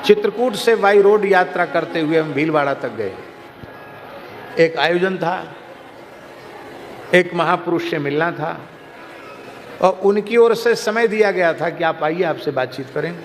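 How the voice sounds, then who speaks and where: With a fairly high pitch, a measured pace, and long pauses, a man delivers a katha religious discourse built on storytelling and lively anecdotes. It's recorded in a reverberant hall with faint noise.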